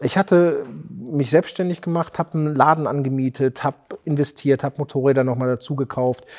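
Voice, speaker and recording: Speech moves at a fairly quick pace with ordinary pitch variation against a quiet background. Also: man, fairly high pitch for a man. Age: 40s. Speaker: custom motorcycle builder; interviewee. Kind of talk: interview. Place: workshop.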